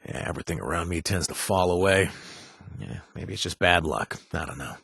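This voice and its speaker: An actor voicing a gentle, awkward ex-raider companion in a video game, talking haltingly with many fillers and restarts. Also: male voice, low-pitched, gravelly, breathy edge, no room sound, clean studio sound, full character voice. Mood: resigned. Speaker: companion character.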